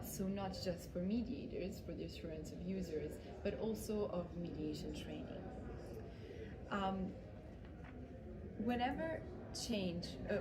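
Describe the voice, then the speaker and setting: Casting: lower-voiced woman from Serbia, halting video thank-you message, roomy sound with loud noise behind. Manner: hesitant, many ums and uhs. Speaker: award recipient, mediation institute director.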